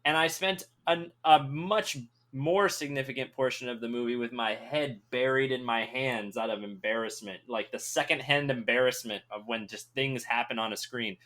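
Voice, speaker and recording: A man's voice: medium pitch, normal speed, hardly any pauses. A man co-hosting a podcast, chatting casually and ranting with mocking asides. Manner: animated, mocking, puts on voices in quotes. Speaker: podcast co-host. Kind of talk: casual chat.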